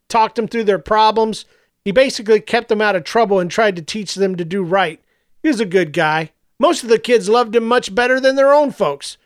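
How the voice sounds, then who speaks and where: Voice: mid-range voice, dry recording, clean studio sound, natural voice. A narrator voicing a smug, boastful male superhero who is secretly a villain, talking in a mocking, sly way.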